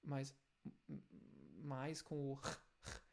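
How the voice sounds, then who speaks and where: A man with a German accent, a native German speaker, teaching German pronunciation in Portuguese, explaining step by step and repeating example sounds slowly. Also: mid-range voice, little pitch movement, darkish tone. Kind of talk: language lesson video.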